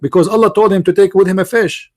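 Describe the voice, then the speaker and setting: Male debate host, high voice, Arabic accent and native Arabic speaker. Insistent, combative, repeats himself to press the point. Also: fast, darkish tone. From Middle East. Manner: confrontational, insistent, repeats phrases and questions. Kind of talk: heated religious debate.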